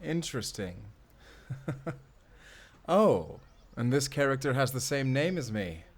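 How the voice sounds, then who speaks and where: A man playing a suave, menacing fantasy villain in an audio drama, speaking with theatrical, deliberate politeness and command. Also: medium pitch, very animated. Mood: sly, intrigued. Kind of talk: audio roleplay acting.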